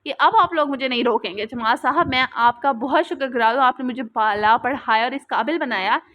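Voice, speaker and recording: A woman voicing a furious young man who shouts through clenched anger at his family. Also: high voice, brisk, lo-fi sound, close to an everyday voice.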